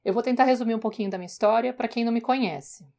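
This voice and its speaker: A woman's voice: on the high side, rapid-fire, vocal fry, a little mellow. A woman, co-hosting a podcast and telling her story in a conversational way with small restarts. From São Paulo, Brazil. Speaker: podcast co-host, journalist. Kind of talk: casual personal storytelling.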